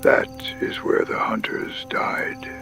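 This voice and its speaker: A man playing a solemn older Native American chief in an audio drama, speaking gravely and with foreboding. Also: takes it slowly, bright, forceful tone. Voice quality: gravelly, creaky. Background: music and night insects.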